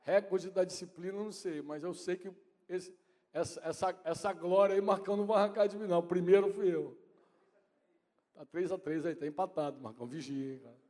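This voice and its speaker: Man, Brazilian pastor, conversational sermon, talks straight to the congregation, high voice, long church reverb. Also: fairly even intonation, brisk, dark tone. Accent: Brazilian Portuguese. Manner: conversational, addresses congregation and wife directly. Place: church hall.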